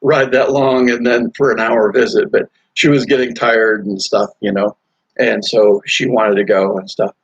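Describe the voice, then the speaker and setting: Gravelly middle-aged man rambling on a live stream. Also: on the low side, steady tone, no room sound. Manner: rambling, halting, with many fillers and restarts. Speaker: motorcycle vlogger live streaming. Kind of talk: casual live stream chat. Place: hotel or rest stop while traveling. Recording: dull lo-fi dry sound.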